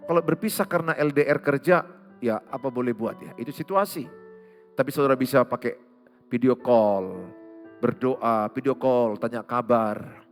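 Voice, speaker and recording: A man preaching a sermon as pastor, with a Medan Indonesian accent, swinging from loud rebukes to quiet asides. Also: medium pitch. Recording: long hall reverb, faint music behind.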